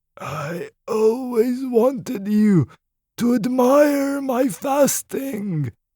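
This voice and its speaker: A put-on character voice with a fairly high pitch. It moves at a very slow pace. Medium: read story. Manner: barely audible.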